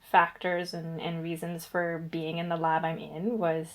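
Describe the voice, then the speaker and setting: A woman's voice: deep voice, monotone, measured pace. A young woman from Guyana, a guest researcher, answering interview questions in a chatty, rambling way with fillers and self-corrections.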